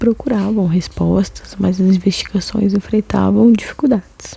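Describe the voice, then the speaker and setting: A soft-spoken woman talks in a calm tone at a moderate pace. Noticeable background noise runs underneath. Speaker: ASMR creator. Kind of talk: ASMR true crime narration. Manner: soft-spoken, calm pace.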